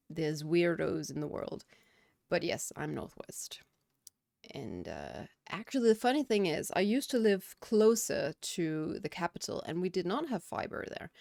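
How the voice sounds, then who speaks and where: Woman, Danish accent, gravelly, lowish voice, dry close sound, chatty streamer. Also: no echo. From Denmark. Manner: chatty, reads out chat questions and answers them. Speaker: game streamer. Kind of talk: casual chat while gaming. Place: home room, windows and curtains.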